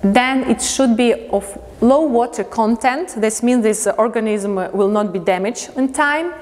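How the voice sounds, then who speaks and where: A woman from Latvia gives a prepared lecture as an artist in English, halting as she looks for words. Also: a little high, darkish tone. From Riga, Latvia. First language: not English. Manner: halting, pausing to find words. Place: indoor museum lecture space. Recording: long reverberant hall.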